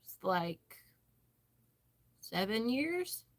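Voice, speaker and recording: A woman's voice: fairly high pitch, very animated, extremely slow. An American woman hosting a casual livestream, chatting and answering viewer comments as she goes. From western Massachusetts, United States. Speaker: livestream host, crocheter.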